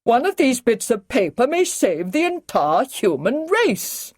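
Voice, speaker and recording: A woman voicing a brisk, commanding male army brigadier in an audiobook, giving clipped, urgent orders. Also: mid-range voice, big pitch swings, darkish tone, dry recording, pitched above the performer's own voice, natural voice. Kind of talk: audiobook character reading.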